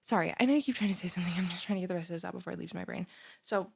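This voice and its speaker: A woman's voice: on the low side, rapid-fire, a little mellow. A young woman playing a scatterbrained, chatty, bubbly student in a one-sided audio roleplay, rambling like a valley girl straight at the listener. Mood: rambling, breezy. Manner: rambling valley-girl chatter full of "like", sighs and breathy asides. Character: chatty, scatterbrained, over-caffeinated bimbo female college student, bubbly and blunt.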